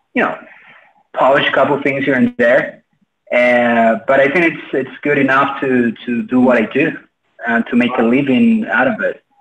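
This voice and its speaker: A man talks at a moderate pace with lively intonation. His pitch is fairly high. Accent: Los Angeles. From Colombia, Medellín. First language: Spanish. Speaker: interpreter and translator. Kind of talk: video interview.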